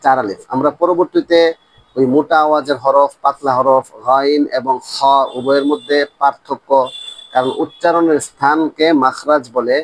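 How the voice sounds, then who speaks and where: A man teaching a Quran pronunciation class, slowly repeating letter sounds for his students. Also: medium pitch, fairly even intonation, dry recording, low-quality recording. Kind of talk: religious lesson on Arabic letter pronunciation.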